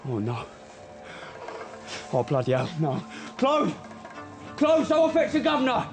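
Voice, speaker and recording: A panicky prison guard. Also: male voice, very high voice, huge pitch swings, takes it slowly, music in the background, exaggerated voice. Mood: panicked. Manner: barking, swearing, frantic.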